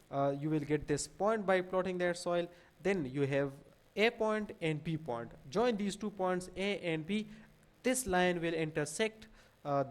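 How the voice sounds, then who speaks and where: A man in his thirties with a South Asian accent giving an explanatory lecture, hesitant and repetitive, with frequent pauses. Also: fairly high pitch. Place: small indoor room at a desk.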